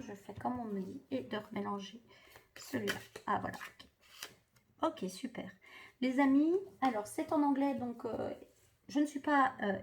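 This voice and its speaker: A woman's voice: fairly high pitch, darkish tone. A woman doing a spiritual card reading for viewers, hesitant and full of fillers and restarts. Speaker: tarot card reader.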